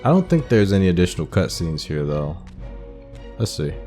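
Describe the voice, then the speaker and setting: A man's voice: deep voice, very animated, moderate pace, dark tone, faint music behind. A man giving casual, off-the-cuff playthrough commentary as the host of a gaming channel.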